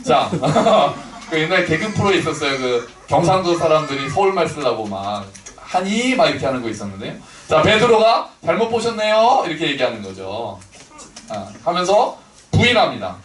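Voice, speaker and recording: A man pastor delivers a chatty, animated sermon, his high voice swinging widely as he acts out little scenes. He is picked up from a distance in an echoey church hall, with a faint hiss in the background. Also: fairly quick. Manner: conversational, acts out quotes in voices. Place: church sanctuary.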